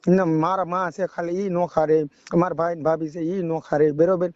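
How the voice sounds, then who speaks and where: A young man from Gujarat, India, with a rural Saurashtra Gujarati accent, calls seeking advice and rambles through a personal account, often adding tag questions to check the listener follows. His voice is on the high side, flat and darkish, at a moderate pace, on a dry, dull lo-fi phone recording.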